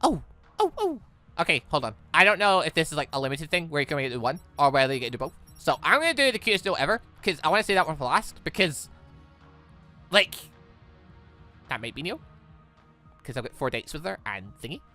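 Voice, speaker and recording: Casting: excitable British gaming host, bright voice, very animated pitch, music underneath. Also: fast talker, pauses often. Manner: excitable, exclaiming. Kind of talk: lively playthrough commentary, reading dialogue aloud.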